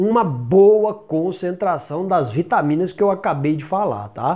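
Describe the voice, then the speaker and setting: Fairly slow speech from a man, set against a quiet background. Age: 40s. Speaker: nutrition YouTuber. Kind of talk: educational monologue. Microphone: lapel.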